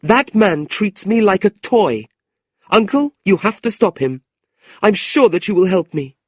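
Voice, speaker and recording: A man's voice: very animated, slightly rough, no echo, studio quality, heavily acted. A man doing a proud, indignant young woman. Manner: pleading, indignant, high and slow.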